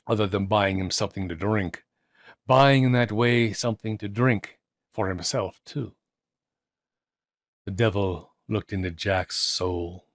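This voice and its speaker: Low-voiced man telling a dramatic tale. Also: no room sound. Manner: theatrical, with deliberate pauses and emphasis. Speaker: audiobook narrator. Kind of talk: dramatic literary storytelling.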